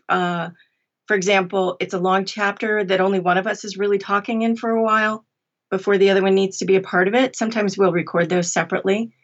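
A woman's voice: medium pitch, lo-fi sound. A middle-aged woman speaking conversationally as an interview guest about her work. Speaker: interview guest, audiobook narrator.

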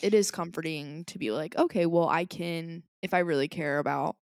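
Speaking at a normal speed in a deep voice, a young woman co-hosting a podcast chats casually, rambling passionately and using "like" constantly. She calls herself loud and passionate. The studio-quality audio has no echo.

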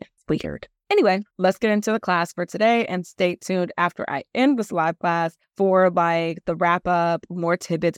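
A woman's voice: on the low side, dry recording, studio quality. A woman with a nasal voice and a chatty manner, teaching a casual solo podcast class as host and model coach, with many fillers.

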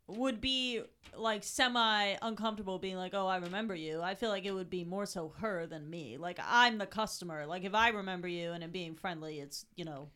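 A woman's voice: lowish voice, a little fast, few pauses, sharp tone. A woman in casual chat, rambling with lots of filler words.

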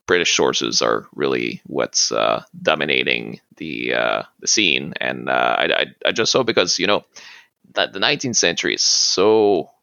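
A man's voice: extremely low pitch, animated, normal speed, creaky, sharp tone, no echo, highs cut off. A man whose first language is French, talking as a podcast guest, hesitant, with many fillers and restarts. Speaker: guest, martial arts practitioner. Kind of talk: casual interview talk.

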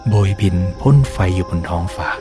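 A man narrating a bedtime story gently in a soft ASMR style. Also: a little fast, over music.

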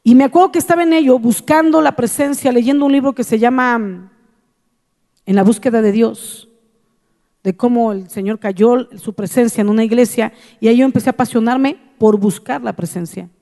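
A woman pastor shares her testimony from the pulpit, telling it earnestly and repeating key phrases for weight. Her voice is mellow and dark in tone. The sound carries a long reverb, as in a large hall. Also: fairly high pitch, normal speed. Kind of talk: testimony in a sermon.

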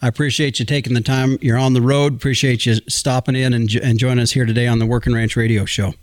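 A man's voice: mid-range voice, little pitch movement, quick pace, no room sound. A man hosting a radio show in a conversational, folksy and informal way.

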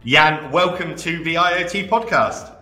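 A man's voice: fairly high pitch, a little slow, bright, forceful tone, reverberant, faint music behind. A man hosting a podcast, introducing the show and asking questions in an upbeat way with many fillers. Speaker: podcast host.

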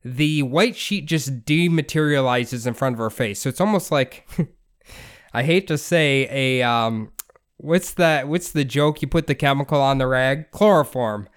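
A man's voice: medium pitch, measured pace, smooth. A man hosting a podcast, telling a story in a laid-back, casual way, swearing and laughing often. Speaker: podcast host.

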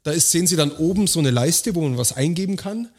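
A man in his thirties talks fast in loose conversation, cutting in with remarks. His voice is slightly husky and rough around the edges. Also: a little high, expressive, darkish tone. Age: 30s. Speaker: podcast co-host. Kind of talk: casual chat.

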